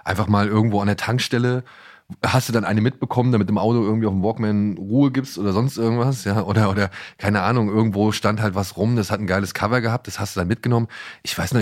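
A man with a fairly low voice chats casually and quickly on a podcast. He rambles along in everyday colloquial language, and the recording is very dry, with no room sound. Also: fairly even intonation, no room sound. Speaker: podcast co-host. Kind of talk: casual chat.

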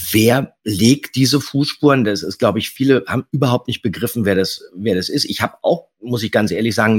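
A man with a lowish, husky voice chats as a podcast co-host. He gives his opinions emphatically but casually. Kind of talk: casual discussion and critique.

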